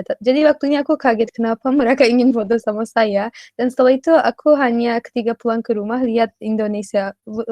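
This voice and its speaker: High-voiced teenage Turkish woman. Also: warm tone, dry recording. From Turkey. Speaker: language student interviewee. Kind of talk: casual interview answers.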